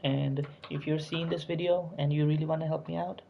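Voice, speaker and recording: A man with a sore throat chats on a live stream. His voice is gravelly with fry, and the sound is dull and lo-fi. He rambles with fillers and keeps begging viewers to subscribe. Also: a little high, flat delivery, a little fast, slight background noise. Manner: chatty, pleading for likes and subscribers, many fillers. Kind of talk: casual live-stream chat.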